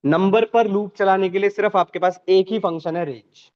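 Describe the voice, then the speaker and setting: A man teaching a programming class, questioning students and repeating points slowly. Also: high voice, a little mellow. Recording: dull lo-fi sound.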